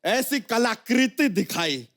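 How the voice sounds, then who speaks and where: A man's voice: very high-pitched, very animated, slow pace, heavily acted. Bachcha Yadav, a boastful rustic milkman. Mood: playful. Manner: loud, playful, punning, mixes broken English. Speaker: comic character on a sketch show. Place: studio stage before a live audience. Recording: studio with loud audience noise.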